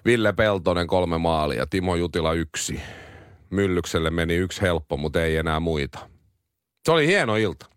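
Deep man, animated radio host, dry studio sound, middle-aged, chatty. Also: smooth, no room sound. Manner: lively, chatty, quick back-and-forth. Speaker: radio morning show host. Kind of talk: casual radio chat. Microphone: studio microphone.

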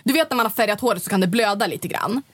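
A young woman from telling a funny night-out story in casual chat, full of quoted voices and sudden high pitch jumps. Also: husky, no echo. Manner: animated retelling, jumps up in pitch when quoting people.

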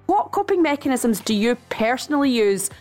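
A woman's voice: sits high, sing-song, normal speed, darkish tone, soft background music. A Scottish woman hosting a radio interview, chatty and encouraging with her guest. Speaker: radio host.

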